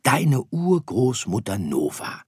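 Guy playing a patient dad star, calm and lively, slow, a bit breathy. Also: medium pitch, no room sound, studio quality, pitched above the performer's own voice, exaggerated voice. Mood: gentle. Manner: calm, explaining. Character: gentle, patient father star. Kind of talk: audiobook character voice.

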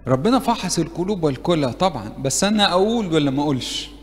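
An Egyptian priest preaches to a youth meeting in a slightly high voice, often turning to the audience with questions. He acts out prayers as he goes. His words ring out with a long reverb from the church hall. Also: animated, very fast. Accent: Egyptian Arabic. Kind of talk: interactive sermon.

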